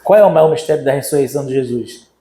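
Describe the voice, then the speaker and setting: A man with a Brazilian Portuguese accent preaching a sermon as pastor, animated and acting out the voices of the people in his story. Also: medium pitch, quick pace, echoey room, rough recording. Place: church.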